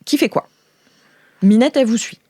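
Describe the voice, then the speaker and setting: A woman's voice: fairly high pitch, normal speed, dark tone, no echo. A woman speaking conversationally as game master of an improvised tabletop role-playing session, narrating and putting questions to the players.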